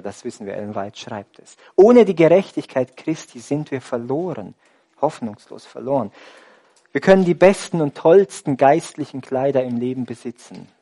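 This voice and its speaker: A man preaching a sermon, asking the congregation rhetorical questions and swinging between loud, emphatic passages and hushed, near-whispered lines. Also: mid-range voice.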